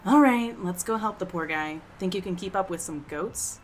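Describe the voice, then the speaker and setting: A woman's voice: on the low side, moderate pace, slight background noise, natural voice. A woman playing a brash, friendly young townswoman in an audio drama, slangy and full of playful ribbing. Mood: breezy.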